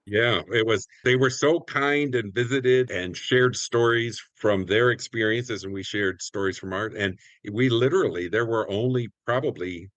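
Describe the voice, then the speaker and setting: A man's voice: medium pitch, moderate pace, hardly any pauses, fairly bright tone, dry recording, muffled recording. A middle-aged American man reminiscing casually as a community theater actor in a group interview.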